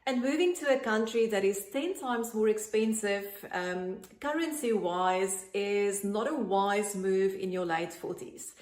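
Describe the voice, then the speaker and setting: A South African woman in her late forties who speaks in an earnest, chatty way and often pauses on ums. She sits at a middle pitch for a woman. The room around her has a clear echo. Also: a little mellow. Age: 40s. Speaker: online business promoter. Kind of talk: direct-to-camera pitch.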